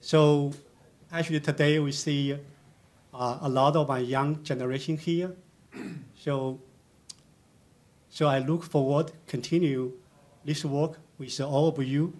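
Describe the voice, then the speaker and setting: Slow, halting man giving acceptance speech. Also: fairly high pitch, steady tone, a little mellow. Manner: halting, searching for words.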